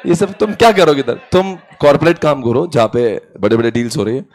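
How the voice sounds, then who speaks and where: A man's voice: mid-range voice, fairly quick, darkish tone, a faint crowd. A young man teaching law in a classroom lecture, playful and acting out quoted exchanges, mixing into his Hindi.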